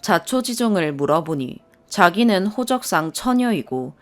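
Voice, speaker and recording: A woman narrating a first-person story in a calm, even reading voice. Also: fairly low pitch, a little slow. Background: soft background music.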